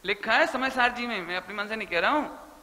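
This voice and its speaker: Guy preaching a sermon w/ little family stories, high bright voice, big echoey hall w/ long reverb. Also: expressive, a little fast. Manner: storytelling, softly voicing family members in quoted lines. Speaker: Jain preacher. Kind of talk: sermon with acted anecdotes.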